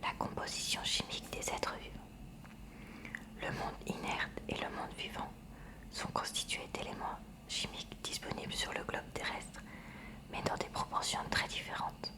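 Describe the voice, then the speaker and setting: A woman whispering throughout in a hushed library manner, reading a school textbook aloud as ASMR with measured, careful enunciation.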